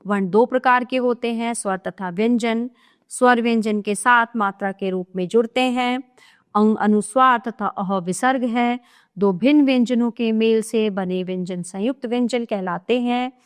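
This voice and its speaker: A woman's voice: on the high side, moderate pace, clear, resonant tone. A woman teaching a grammar lesson, spelling out examples one by one and checking in with the listener as she explains.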